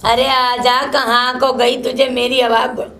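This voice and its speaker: A woman's voice: flat delivery, measured pace, a bit bright. A woman playing a scolding old mother-in-law who curses and complains nonstop. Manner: shrill, cursing, complaining nonstop. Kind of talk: solo comedy sketch.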